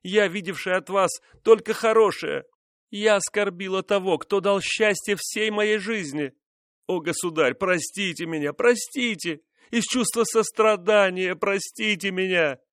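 A tearful royal mistress begs forgiveness in high, breaking exclamations, as a male reader puts her on. Her voice climbs far above an ordinary speaking pitch and stays loud and urgent. The audiobook sound is close and dry. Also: a little slow, no echo. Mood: pleading. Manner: pleading, exclamatory. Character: proud, tearful royal mistress, young woman.

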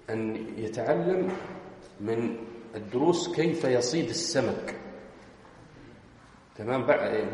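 A man teaching Islamic law, walking his students through each point and firing questions back at them. His voice rings out with heavy echo and a long reverb tail, over a faint steady hiss. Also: medium pitch. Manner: explanatory, quizzes students with questions. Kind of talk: classroom lesson. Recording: very echoey hall.

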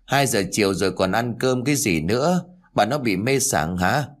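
A man voicing a confused, stubborn elderly village husband who flatly denies what he has just done. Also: on the low side, moderate pace. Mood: deadpan. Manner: blunt, deadpan denials.

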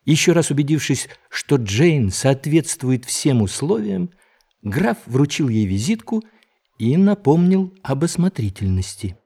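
A man's voice: fairly high pitch, big pitch swings, measured pace, dark tone, slightly rough. A man reading scripted narration for an audio drama.

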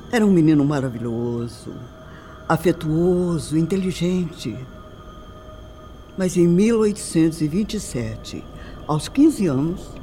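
An actress playing a refined, sorrowful older mother in a radio drama, with a Brazilian accent and solemn, deliberate, formal phrasing. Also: lowish voice, mellow. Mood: fond, nostalgic, then wistful. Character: older upper-class widowed mother, grave, sorrowful, refined. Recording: music under the voice. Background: background music.

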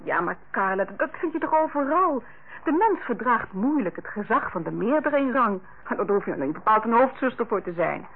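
Peacemaking housewife in old radio play, fairly high voice, thin tinny sound. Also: female voice, very animated, fairly quick, a little hiss or hum. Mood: soothing. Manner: soothing, reasoning. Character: conciliatory, cheerful female hostess of the household.

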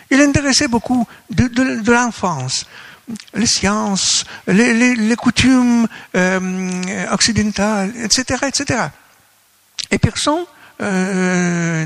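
A man from Russia with a Russian accent gives a conference lecture in non-native French, halting as he searches for words. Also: extremely high pitch, vocal fry, fairly bright tone. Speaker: academic speaker at a colloquium.

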